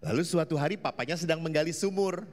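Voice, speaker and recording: A man's voice: fairly high pitch, quick pace, darkish tone. A man preaching a humorous sermon to a family seminar as a Catholic priest, quizzing the audience. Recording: long hall reverb.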